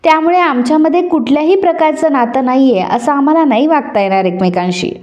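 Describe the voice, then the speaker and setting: A woman's voice: high voice, expressive, fast, a little mellow, lo-fi sound. A woman voicing a playful, teasing young wife in a retold soap story. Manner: chatty, teasing.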